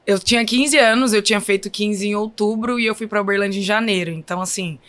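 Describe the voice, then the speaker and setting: Chatting fast in a medium-pitched, fairly bright voice, a volleyball player from Brazil in her thirties shares stories as a guest on a podcast interview. She has a Minas Gerais accent and keeps repeating "então, assim" in her casual storytelling.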